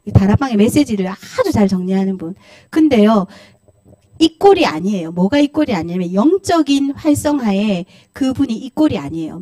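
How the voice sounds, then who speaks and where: Lively, animated Korean woman preaching. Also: fairly high pitch, no echo. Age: middle-aged. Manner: animated, acts out scolding quotes, laughs often. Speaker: pastor's wife preaching. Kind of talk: lively Friday service sermon. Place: church sanctuary.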